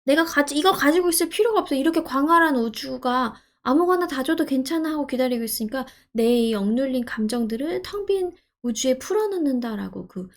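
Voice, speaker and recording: A woman giving gentle, soothing advice, speaking softly and letting her phrases trail off quietly. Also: high-pitched, expressive, brisk, few pauses. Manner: gentle, soothing, acts out inner speech in quotes. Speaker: counselor answering a viewer's question. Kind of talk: advice talk to camera.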